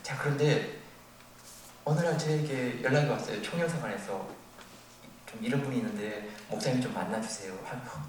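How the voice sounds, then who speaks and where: An older man preaching a sermon as a pastor, telling a story with animated, acted-out quotes. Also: medium pitch, moderate pace. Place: church sanctuary. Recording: very echoey, distant from the mic, faint noise.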